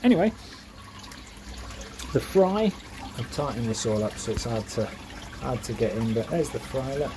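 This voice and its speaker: A koi-keeping vlogger chats casually by the pond in his back garden, homely and full of filler words. His mid-range voice has lively intonation at a moderate pace, and he pauses often. The background is noisy, and the camera mic goes from handheld to tripod and back.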